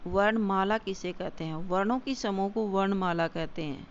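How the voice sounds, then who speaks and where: A grammar teacher explaining definitions step by step, repeating key points and slowing down for examples. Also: medium pitch. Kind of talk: exam-prep grammar lesson. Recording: dull lo-fi recording with faint hiss.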